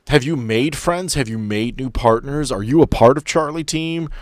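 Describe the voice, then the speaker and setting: A man working as game master, narrating a tabletop roleplaying podcast in measured, dramatic storytelling with drawn-out phrases. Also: medium pitch, dry recording, clean studio sound.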